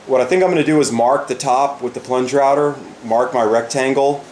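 With a medium-pitched, slightly mellow voice and a fairly quick pace, an older woodworking instructor demonstrates a project casually in his workshop. He thinks out loud while working and often restarts his sentences; there's slight background noise.

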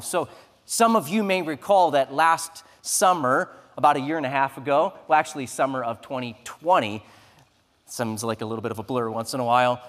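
A man's voice: fairly high pitch, a bit bright. A man in his thirties, a lead pastor, speaking in a conversational, earnest way on a church stage before leading a prayer. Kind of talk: church announcements and introduction, then prayer. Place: church stage, large sanctuary. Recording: reverberant church sanctuary.

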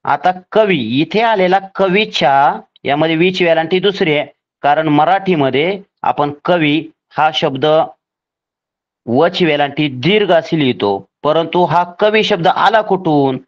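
Slow, deliberate male teacher, lo-fi. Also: a little high. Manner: slow, deliberate, spelling out rules step by step. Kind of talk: scholarship exam grammar lesson.

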